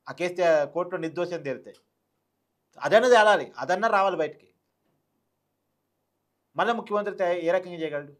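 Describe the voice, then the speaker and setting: Male commentator, slightly high voice, very quick emphatic delivery, opinionated online political talk. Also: fairly bright tone. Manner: emphatic, repeats phrases and poses rhetorical questions.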